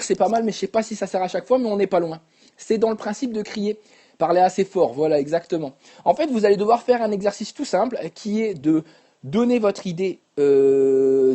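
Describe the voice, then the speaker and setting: Animated young man coaching speaking. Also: sits high. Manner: animated, demonstrates whispering and shouting. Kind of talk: live-stream coaching, answering viewers.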